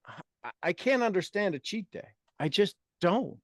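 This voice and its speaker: A man in his fifties leads a motivational group session, pressing his points with emphasis and repeating key phrases. His voice sits a little high, and the sound is close and dry. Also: big pitch swings, unhurried, no room sound. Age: 50s. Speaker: host and coach.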